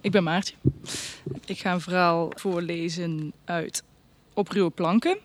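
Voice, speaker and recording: A woman introducing a story she is about to read aloud, enthusiastic with quick asides. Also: fairly low pitch. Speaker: reader at a reading night. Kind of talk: introducing a reading.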